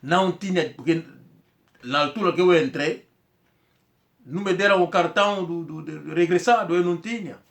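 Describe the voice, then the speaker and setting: Man, slightly high voice, casual rambling storyteller who repeats himself and acts out what people said. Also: normal speed, creaky, long pauses. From Angola. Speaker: commentator telling a personal story.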